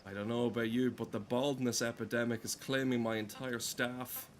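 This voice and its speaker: A man giving casual gameplay commentary in a deadpan, mock-solemn manner. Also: medium pitch, moderate pace, a little hiss or hum. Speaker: gameplay streamer. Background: game music.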